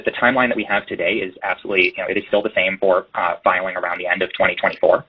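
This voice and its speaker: A man speaking as a company executive answering questions on an earnings call, halting and repeating words for emphasis. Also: low voice, breathy edge. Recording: muffled, band-limited conference call line.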